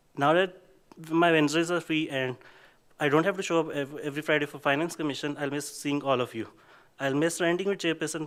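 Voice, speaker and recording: With a non-native accent, a man talks at a very fast pace and a fairly high pitch with fairly even intonation. The recording is very clean with a silent background. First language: not English. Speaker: student government committee chair. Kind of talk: farewell speech. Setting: meeting hall, podium.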